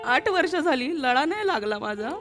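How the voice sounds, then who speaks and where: A wounded young wife in a comedy sketch, wailing theatrically and throwing sarcastic jabs. Her voice is very high and swoops widely, over loud music. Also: lively intonation, normal speed.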